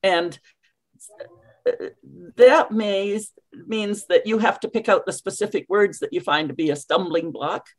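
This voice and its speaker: An older Canadian woman coaching English on a video call, speaking with crisply enunciated words and an emphatic, storytelling manner. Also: mid-range voice, a little slow. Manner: warm, emphatic, storytelling, with clearly articulated words. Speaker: ESL coach.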